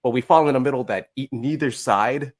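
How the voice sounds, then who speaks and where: An American man in his thirties talking casually on a podcast, haltingly, repeating words as he thinks. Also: medium pitch.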